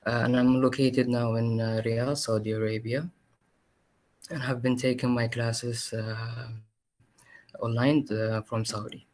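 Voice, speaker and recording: Give me a hesitant young male student presenter with a flat, even voice. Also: medium pitch, a little slow. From Eritrea. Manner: hesitant, many fillers. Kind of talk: online presentation.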